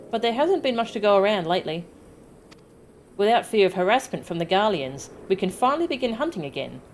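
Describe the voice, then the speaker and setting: A woman's voice: mid-range voice, a little hiss or hum, close to an everyday voice. A friendly tribal villager out of a video game, voiced by a woman. The talk is chatty and a little apologetic, always reassuring, with music playing behind it. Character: hungry, friendly tribal villager asking for hunting help.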